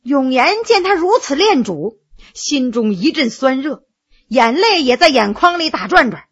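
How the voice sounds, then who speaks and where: A woman telling a traditional tale aloud in an animated, rhythmic, dramatic way. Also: high-pitched, a little slow, slightly rough, muffled recording. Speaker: storyteller. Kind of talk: traditional oral storytelling.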